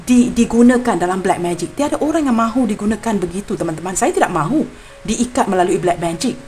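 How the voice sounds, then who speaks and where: A woman's voice: mid-range voice, a little hiss or hum. Malaysian woman giving an earnest tarot reading. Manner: earnest and apologetic, addresses viewers warmly as friends. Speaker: tarot reader. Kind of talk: tarot reading monologue to viewers.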